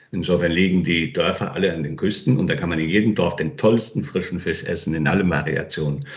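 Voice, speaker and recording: Very deep, low male voice, fairly quick pace, lively intonation, hardly any pauses, noticeable background noise. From Iceland, Reykjavik. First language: Icelandic (speaking German). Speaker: journalist and airline communications manager. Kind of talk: interview.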